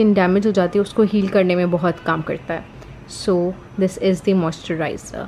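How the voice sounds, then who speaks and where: Over noticeable background noise, a woman talks at a moderate pace. Her medium-pitched voice is monotone and flat. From Pakistan, Karachi. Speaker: beauty and lifestyle vlogger. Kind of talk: casual vlog.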